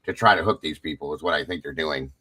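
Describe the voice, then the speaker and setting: A man's voice: a bass voice, quick pace, pushed and bright, no echo, low-quality recording. A man on a livestream panel, talking casually and rambling as he searches for words.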